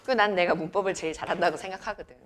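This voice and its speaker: A young woman teaching a grammar lesson to students in a chatty way, quizzing them with quick questions. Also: lowish voice, steady tone. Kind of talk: classroom lecture.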